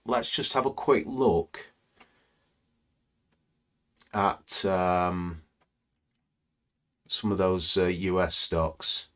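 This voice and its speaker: A man hosts a live stream, commenting on stock screens in a rambling, conversational way full of fillers. His voice is croaky and a little hoarse today. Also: sits low, expressive, drawn-out words, long pauses, a bit bright. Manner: conversational, rambling, many "you know" fillers. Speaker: trading educator hosting live stream.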